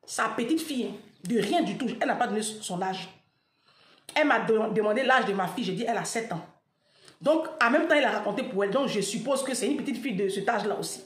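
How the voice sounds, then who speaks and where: A woman tells a testimony to her viewers as an online preacher, animated and emphatic, laughing often and repeating herself. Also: a little high, quick pace. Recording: echoey room.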